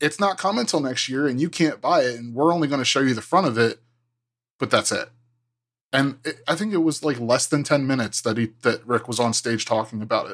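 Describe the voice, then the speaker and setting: An unremarkable speaking voice talks at a fairly quick pace with ordinary pitch variation, in a very clean recording over a silent background. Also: man, fairly high pitch for a man. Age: 30s. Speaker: tech writer. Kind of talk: casual chat.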